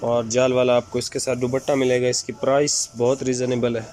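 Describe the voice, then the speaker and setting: A man with an unwell, sore-throated voice gives a casual online sales pitch item by item, repeating his catchphrases to viewers. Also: level tone, fairly quick, a little mellow. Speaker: shop presenter selling women's suits. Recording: clear background noise, room ambience.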